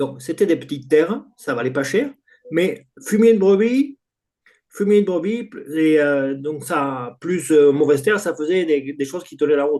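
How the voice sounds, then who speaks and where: At a fairly slow pace, a man speaks in a dark, mellow tone with a fairly high pitch and lively intonation. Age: 60s. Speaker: farmer and union founder. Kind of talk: interview. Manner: hesitant, many fillers.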